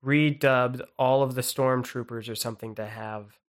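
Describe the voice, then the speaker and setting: A man co-hosting a podcast, chatting casually in a rambling, halting way with lots of "like". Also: mid-range voice, fairly even intonation. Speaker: podcast co-host. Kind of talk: casual chat.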